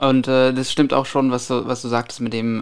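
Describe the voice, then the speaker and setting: Here a man speaks at a medium pitch. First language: Hungarian (speaking German). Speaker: singer-songwriter. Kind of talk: casual interview.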